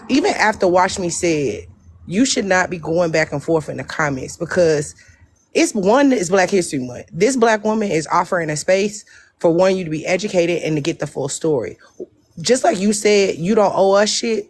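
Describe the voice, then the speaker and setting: Blunt, emphatic woman with African American English accent. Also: on the low side. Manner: blunt, emphatic, repeats phrases for stress. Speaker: panel speaker. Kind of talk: impassioned casual live discussion.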